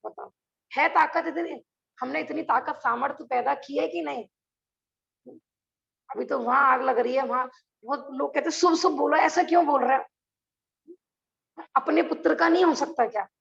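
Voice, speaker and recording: Earnest high-voiced woman teaching scripture. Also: normal speed, gravelly, long pauses, a bit bright, muffled recording. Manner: earnest, rhetorical questions. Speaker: religious teacher. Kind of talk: online scripture class.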